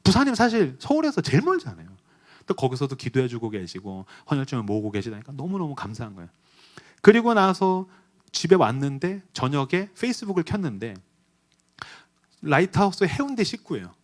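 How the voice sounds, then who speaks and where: A middle-aged male pastor preaching a sermon in a church, telling a story with feeling and moving between loud exhortation and hushed retelling. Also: on the high side, wildly swooping pitch, a little fast. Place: church sanctuary.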